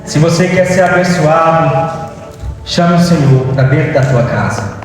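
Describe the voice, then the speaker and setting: A man's voice: fairly high pitch, expressive, a little slow, faint music behind. A man preaching by telling a personal story in a conversational way, with frequent restarts. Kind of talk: sermon testimony. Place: church hall. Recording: echoey church hall, long reverb.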